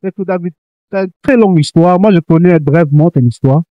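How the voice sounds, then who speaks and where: The host of a Christian youth talk show, who grew up in Canada, earnestly presses young listeners forward, restarting often. He speaks briskly in a high voice, in a dry recording with dull audio.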